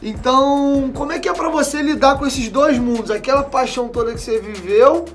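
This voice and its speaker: Very high-voiced young man interviewing. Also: fairly quick, faint music behind. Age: 20s. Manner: chatty, asks long rambling questions. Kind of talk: casual interview.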